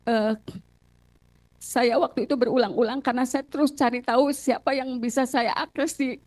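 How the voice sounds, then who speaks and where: An Indonesian woman giving courtroom testimony as a witness and lawyer, recounting details haltingly with repeated phrases. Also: high-pitched, steady tone, a little mellow, no room sound. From Cirebon, Indonesia.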